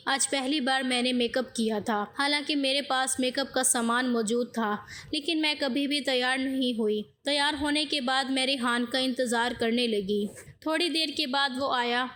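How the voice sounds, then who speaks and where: A woman telling a scripted first-person story, reading in a steady, even way. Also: high voice.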